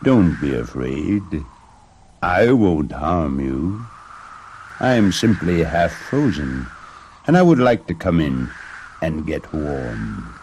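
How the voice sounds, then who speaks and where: A man voicing a great old black bear in a storybook tale, gentle, courteous and reassuring. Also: rumbling low, sing-song, slow pace, slight background noise, voice pushed down, full character voice. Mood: weary, reassuring.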